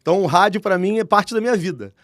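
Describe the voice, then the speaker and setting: A man's voice: sits high, expressive, fast talker, a bit bright, no echo, studio quality. A man in his forties from Rio de Janeiro with a Carioca accent, a talkative guest telling his story in a podcast interview. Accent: Carioca Brazilian Portuguese. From Rio de Janeiro, Brazil. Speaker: guest executive.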